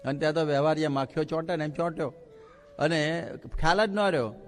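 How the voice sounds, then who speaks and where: A man, a Hindu monk, giving a religious discourse in an animated storytelling manner, acting out the lines of the people in his stories. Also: on the high side, brisk. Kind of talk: sermon with storytelling. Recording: long hall reverb with faint music.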